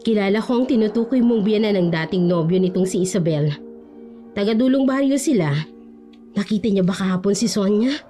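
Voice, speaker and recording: Brief: a woman doing a stern, steady older healer, mellow dark tone, faint music behind. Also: mid-range voice, fairly quick, lightly acted. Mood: grave. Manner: grave, instructing. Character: older village healer woman, calm and commanding.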